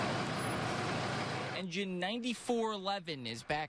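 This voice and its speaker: A man's intonation is lively, and noticeable background noise runs behind him. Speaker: TV news reporter. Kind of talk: TV news reporter package.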